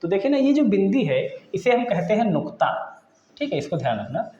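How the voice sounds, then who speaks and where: Man, grammar lesson, patient repeating explainer, bouncy pitch, dull lo-fi sound. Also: big pitch swings, brisk, mellow, reverberant. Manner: explains patiently, repeats points, addresses students as friends. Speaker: teacher. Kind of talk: exam-prep grammar lesson.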